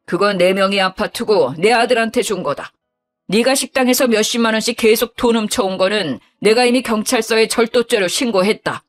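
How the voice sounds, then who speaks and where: A woman's voice: mid-range voice, close to an everyday voice. A woman voicing a stern older father-in-law who gives curt, firm orders in a dramatized story. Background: faint background music.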